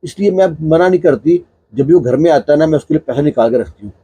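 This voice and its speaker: A man voices a worried older mother-in-law in a spoken story, apologizing in a rush. The tone is husky and dark, with a slightly high pitch. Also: animated. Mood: apologetic.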